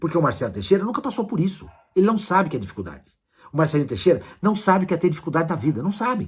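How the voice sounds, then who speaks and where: In a high voice with lively intonation and an animated tone, a man speaks at a very fast pace. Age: 60s. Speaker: football pundit. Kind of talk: casual monologue to camera.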